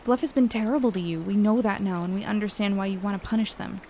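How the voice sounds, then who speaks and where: A level-headed young woman, an actress in role, with a medium-pitched voice. She reasons earnestly in casual, conciliatory speech in an audio drama, over faint watery ambience. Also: steady tone, quick pace, warm tone, slight background noise, lightly acted. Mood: pleading.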